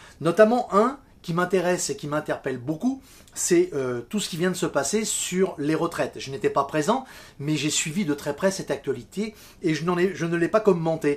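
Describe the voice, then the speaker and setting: A man at a moderate pace with a high pitch. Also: lively intonation. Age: 60s. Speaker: business coach YouTuber. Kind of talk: vlog monologue.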